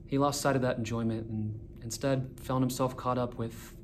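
A man in his twenties performing a dramatic monologue as a searching, reflective soliloquy with pauses, recorded indoors a short way from the camera. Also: medium pitch, steady tone. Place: small indoor room with a wall-mounted TV. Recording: noticeable background room noise.

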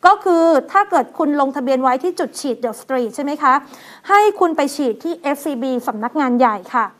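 A woman co-hosting a news show, chatting and reading out schedules with soft polite particles. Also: high voice, lively intonation, brisk.

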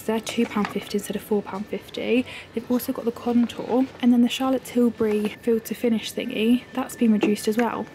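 A woman's voice: medium pitch, noisy background. A British woman in her twenties, chatting on a handheld camera as she browses a large shop, gushing and filling her talk with "like". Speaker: vlogger. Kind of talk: shop-with-me vlog. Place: large clothing and homeware shop, indoors.

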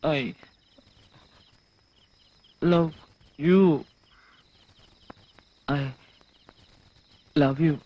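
An actor playing a lovestruck young captor who keeps repeating declarations of love. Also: male voice, a little high, fairly even intonation, extremely slow, pauses often, dull audio. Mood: pleading.

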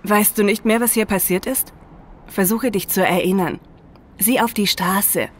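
An actress playing a mysterious, gently insistent wife in a science fiction audio drama, earnest in manner. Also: female voice, medium pitch, steady tone, a little slow, slight background noise, lightly acted. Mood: mysterious, coaxing.

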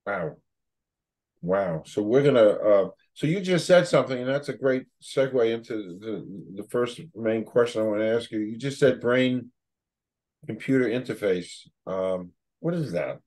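A man's voice: mid-range voice, expressive, measured pace, darkish tone. An older man hosting a casual interview, rambling and emphatic, repeating words as he goes, on a video call from a home office. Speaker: show host.

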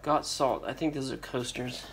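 American man rambling over loud rustling noise. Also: medium pitch, steady tone, moderate pace. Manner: rambling, thinking aloud. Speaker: vlogger, storage auction buyer and reseller. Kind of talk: casual unscripted unboxing commentary. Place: storage unit with concrete floor. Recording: noisy handheld recording, crinkling and clicks. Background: loud rustling, crumpling and clicking.

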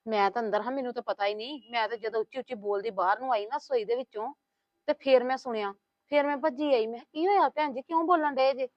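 Brief: actress as a complaining housewife, high voice, dull dry audio. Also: female voice, fast talker, no room sound, lightly acted. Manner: complaining, gossiping, soothing. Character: talkative scheming woman, middle-aged housewife. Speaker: housewife in a family drama. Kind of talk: web series acting. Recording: dull lo-fi sound.

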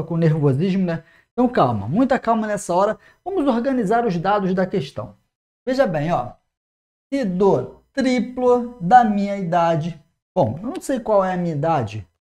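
A Brazilian man in his forties teaches math at a whiteboard, recorded close on a lapel mic. He talks to the viewer with lively little checks like "né?". He slows right down to spell out each step. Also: high-pitched. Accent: Brazilian Portuguese. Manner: energetic, talks to the viewer with frequent "né?" and "ó". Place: classroom in front of a whiteboard.

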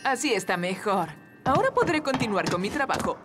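High, very animated fairy nanny. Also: female voice, a little fast, over loud music. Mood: brisk. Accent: Latin American Spanish. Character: brisk, no-nonsense fairy nanny. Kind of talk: children's cartoon dub.

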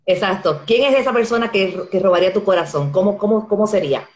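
A woman's voice: medium pitch, fast talker, a little mellow, roomy sound. A woman in her forties hosting a live video call interview, teasing her guests playfully and laughing often. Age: 40s. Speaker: host. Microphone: phone camera on a video call.

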